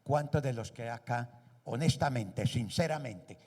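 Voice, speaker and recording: A man's voice: medium pitch, a little slow, darkish tone. A pastor preaching a sermon. He is emphatic and keeps putting rhetorical questions to the congregation. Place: church hall. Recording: echoey church hall.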